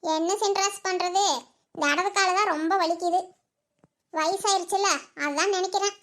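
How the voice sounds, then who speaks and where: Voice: very high voice, fairly even intonation, moderate pace, fairly bright tone. A voice actor playing a bossy, scolding old village mother-in-law in a cartoon. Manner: scolding, nagging. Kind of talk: cartoon voice acting.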